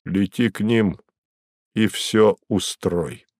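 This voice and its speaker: A man voicing a cold, commanding male devil who speaks slowly, low and tersely in an audiobook reading. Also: darkish tone, no room sound, studio quality. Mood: stern.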